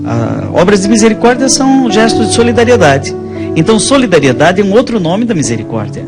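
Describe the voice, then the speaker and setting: A man with a Brazilian accent, a priest, talking conversationally about faith and telling stories in a halting, rambling way. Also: sits high, sing-song. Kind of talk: conversational religious storytelling. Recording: music playing behind the voice.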